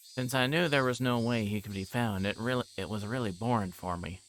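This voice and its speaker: A man's voice: lowish voice, a little fast, a bit bright, a little hiss or hum. A man reading a visual novel aloud on a livestream, narrating in first person and occasionally stumbling over words. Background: game music.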